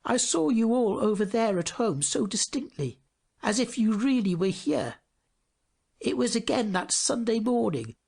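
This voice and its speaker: A man's voice: high-pitched, creaky, slightly rough, voice pushed up, exaggerated voice. A man voicing a melancholy, lonely pewter toy soldier in a storybook, lamenting in a plaintive, dramatic way.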